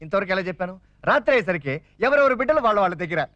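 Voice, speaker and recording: An actor playing a fast-talking, scheming young father who pleads and teases his friend in a comic film scene. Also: high voice, big pitch swings, no room sound, muffled recording. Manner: rapid, jokey, wheedling. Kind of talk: 1990s Telugu film acting.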